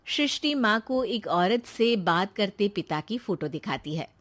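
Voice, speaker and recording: A woman narrating a cartoon story in a plain, steady storytelling voice. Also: mid-range voice, unhurried.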